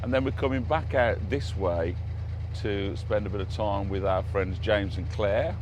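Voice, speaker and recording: Deep-voiced Englishman over loud engine hum. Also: normal speed. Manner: jokey, bantering. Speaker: narrowboat vlogger. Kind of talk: casual chat, commentary while cruising. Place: outdoors on a narrowboat on a canal. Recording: outdoor recording with loud boat engine hum. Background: engine hum, outdoor noise.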